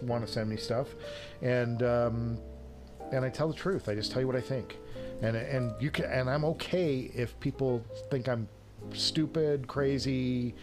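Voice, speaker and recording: Guy doing a loose livestream chat, jokey and self-deprecating, regular mid voice, music going in back. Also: medium pitch. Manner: self-deprecating, joking, breaks into chuckles. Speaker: livestream show host. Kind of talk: casual chat answering viewers' live comments.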